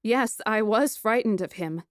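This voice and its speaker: A woman reading first-person fiction as an audiobook narrator, with a dramatic, expressive delivery. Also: fairly high pitch, a little slow, no echo, studio quality.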